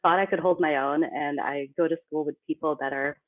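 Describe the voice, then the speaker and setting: A woman's voice: deep voice, steady tone. Chatty woman over a tinny line. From Philippines. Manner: chatty and self-deprecating, quick asides. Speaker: guest, company CEO. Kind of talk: casual podcast conversation. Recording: tinny phone-like remote line.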